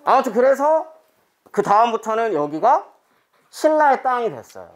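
Woman teacher, history lesson for children, animated storytelling, classroom, quizzes the class. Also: on the high side, moderate pace, faint music behind. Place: school classroom.

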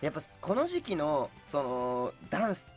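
A man's voice: fairly high pitch, wildly swooping pitch, normal speed. A man chatting casually as a guest on a studio radio show. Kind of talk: casual chat. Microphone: studio boom mic, speaking through a face mask. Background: clear background music.

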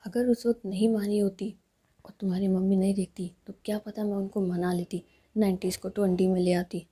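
A woman voicing a wry, shy young woman in love, speaking softly and half whispered. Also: mid-range voice, level tone, fairly quick, slightly rough, natural voice. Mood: tender.

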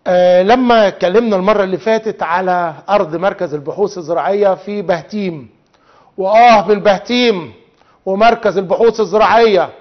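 A man with an Egyptian accent hosting a television talk show, speaking in an indignant, rhetorical way and calling out officials directly. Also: high-pitched. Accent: Egyptian Arabic. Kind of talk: televised monologue. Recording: dull lo-fi TV audio.

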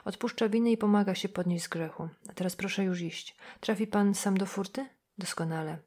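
Kobieta odgrywająca starego księdza, który mówi cicho i półszeptem, spokojnie, ale stanowczo. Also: female voice, a little fast, husky, natural voice. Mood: hushed. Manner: hushed, half-whispered, low. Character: old male priest, calm, insistent.

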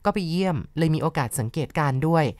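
A woman with a low voice narrates a ghost story in a polite, chatty manner, adding soft asides to her listeners. The recording is dry and close, with no echo. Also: fast, smooth. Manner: polite, conversational, adds soft particles and asides. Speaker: storyteller and channel host.

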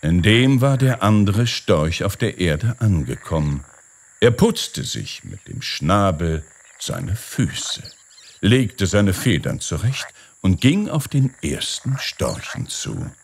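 A man reading a fairy tale aloud as an audiobook narrator, with expressive storytelling. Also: low voice, slow, creaky, a little hiss or hum.

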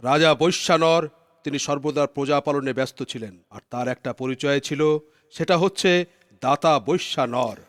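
A man's voice: a little high, normal speed, fairly bright tone, no room sound, studio quality, natural voice. A man voicing an ancient, wise bird who tells old tales dramatically in a children's cartoon. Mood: solemn. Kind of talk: Bengali cartoon storytelling.

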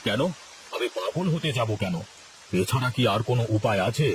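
A man voicing an anxious, generous village landlord in a cartoon, speaking low and pleading. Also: lively intonation, fairly quick, noisy background, natural voice. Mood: worried. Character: worried old village landlord, male, generous. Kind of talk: cartoon voice acting.

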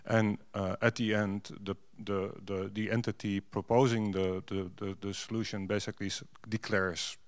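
A man's voice: on the low side, little pitch movement, moderate pace, hardly any pauses. A middle-aged man, not a native English speaker, speaking as a panelist at a conference with many fillers and restarts into a handheld mic. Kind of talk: panel discussion. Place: conference stage. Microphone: handheld microphone.

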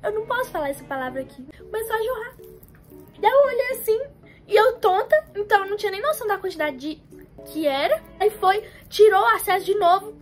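Very high-voiced woman telling a dramatic story. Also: animated, fast talker, soft background music. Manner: dramatic, retells scenes in quoted voices; addresses viewers as "galera" and "gente". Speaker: vlogger telling a personal story. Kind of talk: animated storytime vlog.

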